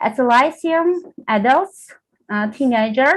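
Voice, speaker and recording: A high-pitched woman with a Georgian accent, at a fairly slow pace. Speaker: English teacher. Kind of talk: self-introduction on video call. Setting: video call. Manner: halting, many hesitations.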